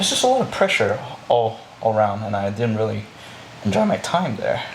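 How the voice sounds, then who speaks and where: A man speaks at a moderate pace with a Cantonese accent and a fairly low pitch. Audible room echo and noticeable background noise are present. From Malaysia, partly Singapore. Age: 30s. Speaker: adult film actor. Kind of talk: podcast interview. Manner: hesitant, many fillers.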